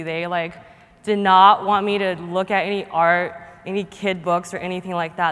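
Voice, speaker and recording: A woman talks at a moderate pace, her pitch varying in an ordinary way, while noticeable background noise continues. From moved to US at seven, grew up in Portland, Oregon. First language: not English. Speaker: artist and designer. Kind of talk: conference talk. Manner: casual, filler-heavy.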